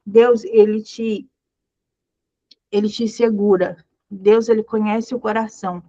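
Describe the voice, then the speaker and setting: A woman's voice: mid-range voice, little pitch movement, takes it slowly, warm tone, no echo, lo-fi sound. A woman leading a Bible study, encouraging her listeners with repeated phrases and reading scripture aloud. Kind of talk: devotional teaching.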